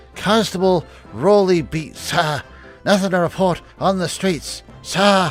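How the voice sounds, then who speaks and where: A man in a put-on character voice, high-pitched and breathy, at a fairly slow pace over clear music in the background. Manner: sleepy.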